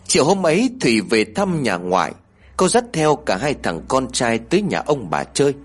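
A male storyteller reading a village ghost tale aloud, his husky voice rising and falling with lively inflection. He narrates in an expressive, measured way. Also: medium pitch, soft background music.

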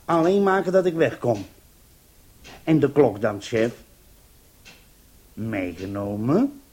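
A man's voice: medium pitch, animated, takes it slowly, a little mellow, slightly rough. An actor playing a flustered, hesitant male thief in a Dutch radio play. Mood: nervous, unsure. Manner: hesitant, questioning. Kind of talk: Dutch radio drama acting.

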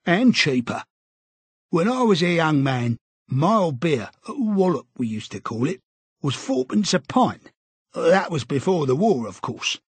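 A man's voice: fairly high pitch, big pitch swings, husky, no echo, pitched above the performer's own voice, exaggerated voice. A man putting on a grumbling old codger. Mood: reminiscing. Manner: cantankerous, slangy, drawn-out complaining. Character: grumbling old male London prole, stubborn. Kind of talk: audiobook character voice.

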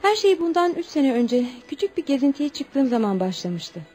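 A woman's voice: high-pitched, very animated, moderate pace, darkish tone, faint music behind. An actress playing a wistful young tribal woman, a rich man's daughter, speaking earnestly and formally in radio theatre. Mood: troubled, earnest.

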